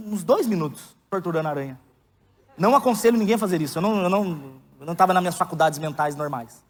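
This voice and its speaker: A male preacher with a Brazilian Portuguese accent tells stories with humor, moving between loud preaching and soft asides. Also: sits high. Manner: animated, humorous storytelling. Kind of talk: sermon. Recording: long reverb of a hall.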